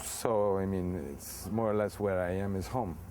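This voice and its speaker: A man's voice: low-pitched, steady tone, moderate pace, a crowd in the background. An American man talking as an interview guest in a casual, rambling way, with many fillers and restarts. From United States.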